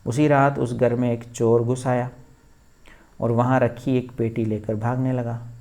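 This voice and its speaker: A male teacher explains a textbook lesson line by line. He speaks slowly and deliberately, at a medium pitch, stopping to spell out word meanings. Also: flat delivery, warm tone.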